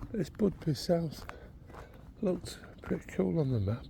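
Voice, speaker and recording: With an English accent, a man speaks at a fairly slow pace, his pitch swinging very widely. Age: 60s. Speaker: walking vlogger. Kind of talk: vlog narration while walking. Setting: outdoors in a forest. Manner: hesitant, many fillers.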